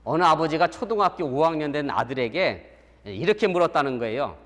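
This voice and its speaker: A man's voice: a little high, expressive, brisk, fairly bright tone. A middle-aged man from Korea, a pastor giving a conversational sermon, telling stories, acting out the voices he quotes and chuckling at his own anecdotes. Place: church sanctuary. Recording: long church hall reverb.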